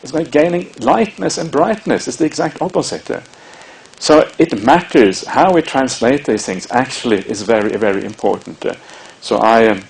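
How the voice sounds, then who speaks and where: A man with a Norwegian accent giving a measured, explanatory Buddhist dharma talk, with frequent hesitations. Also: mid-range voice, animated, gravelly, rough recording. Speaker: Buddhist monk teacher.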